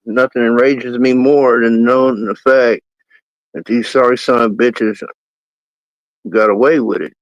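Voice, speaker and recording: A man's voice: mid-range voice, steady tone, a little slow, pauses often, dry recording. A man co-hosting a casual chat, speaking bluntly and plainly with firm opinions. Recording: dull lo-fi dry sound.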